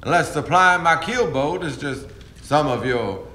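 A man's voice: fairly high pitch, lively intonation, measured pace, pushed and bright, full character voice. Man acting a swaggering riverboat captain, swooping delivery. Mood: mocking bravado. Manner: smooth-talking, taunting, flowery. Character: swaggering, menacing riverboat captain pressing his advances. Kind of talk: radio drama acting.

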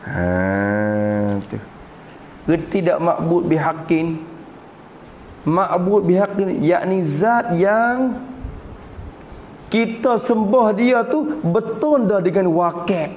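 A man's voice: high voice, lively intonation, extremely slow, long pauses, darkish tone, slight background noise, poor audio. A man with a Patani Malay accent teaching a traditional religious kitab lesson. He explains patiently and keeps putting rhetorical questions to his students. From Patani, southern Thailand.

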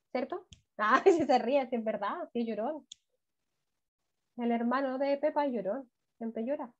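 A high-voiced woman teacher with a Chilean Spanish accent, talking to young children over a dull, lo-fi video call. She stretches words out syllable by syllable and speaks in a slow, gentle, coaxing way. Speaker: primary school teacher. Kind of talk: online class for first graders. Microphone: laptop mic on a video call.

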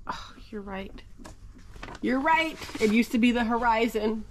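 A woman's voice: fairly high pitch, measured pace, slight background noise, rough recording. Encouraging woman chiming in. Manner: encouraging, short reactions. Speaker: companion helping sort. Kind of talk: casual chat. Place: cluttered storage unit.

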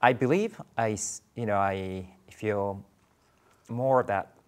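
A man's voice: on the low side, slow pace, clean tone. A man in his forties from Japan with a Japanese accent, answering interview questions thoughtfully in a studio, with many fillers and restarts. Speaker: Buddhist priest guest.

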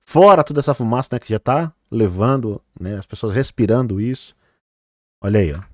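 A man's voice: medium pitch, fairly quick. A man vlogging, commenting on news images in a loose, chatty way, with lots of fillers and direct asides to his viewers. He sometimes stumbles on difficult names and corrects himself. The sound is close and dry, with no room echo. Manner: chatty, fillers like "né" and "olha, gente"; trips over hard names. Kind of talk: casual commentary over news footage.

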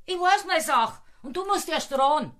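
High-voiced, saucy Bavarian country girl. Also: expressive, unhurried, a bit bright. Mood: defiant retort. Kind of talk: dialect audiobook drama acting.

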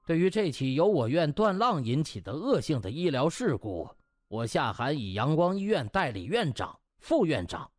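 A man's voice: fairly high pitch, no echo. Man playing a pompous, smug hospital director. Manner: pompous, officious speechifying. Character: smug, scheming male hospital director feigning righteousness. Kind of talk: dramatised comic audiobook.

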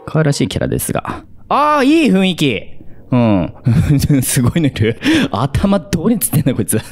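A young man commentating a horror game, excitable and quick to react with loud, jumpy outbursts. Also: on the high side.

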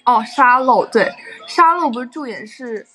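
A woman's voice: a little high, lively intonation, a little slow, pushed and bright. A young adult woman chatting casually on a livestream and telling stories animatedly with frequent laughs.

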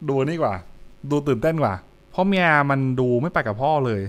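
Lively intonation and a brisk pace mark this slightly high male voice. He's a young streamer casually reacting to horror comics in real time, echoing short phrases as he mulls things over, with music playing behind him.

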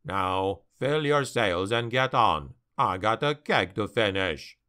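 Male reader as gruff dwarf warrior, low growl, curt delivery. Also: expressive, slow, sharp tone, heavily acted.

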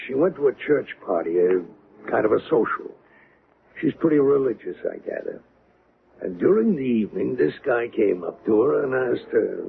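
An actor playing a plain-talking police detective in a radio drama, colloquial and hesitant. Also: male voice, medium pitch, creaky. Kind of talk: 1970s radio drama acting. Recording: narrow tinny old radio broadcast.

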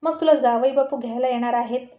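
A woman's voice: a little high, steady tone, fast talker, warm tone, echoey room, highs cut off, lightly acted. Woman voicing teasing old grandfather. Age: older. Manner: teasing, scolding.

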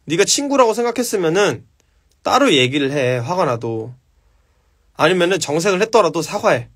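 A man's voice: fairly high pitch, very animated, normal speed, a bit bright, slightly rough. A man hosting a casual live stream, answering viewer questions with blunt, profane advice.

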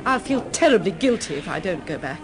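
A woman's voice: on the low side, sing-song, fairly quick, soft background music. An actress in a radio drama playing a polite, strained, insistent society woman with a well-mannered delivery. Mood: worried.

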